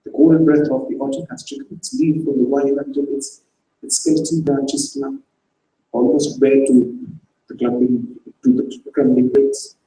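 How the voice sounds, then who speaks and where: A man reads a short story aloud with expressive narration before a live audience. His voice is dark and mellow, slightly raised in pitch, and it sounds distant in a reverberant room. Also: a little slow, a little hiss or hum. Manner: expressive, with restarts. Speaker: reader. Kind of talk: dramatized story reading. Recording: roomy live hall, distant mic.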